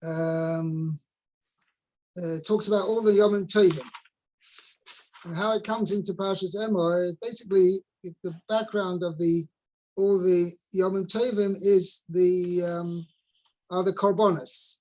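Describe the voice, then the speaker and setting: A man, a rabbi, explaining the weekly Torah portion over a video call, unhurried, searching for words and mixing in Hebrew terms. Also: high voice, fairly even intonation, darkish tone, low-quality recording.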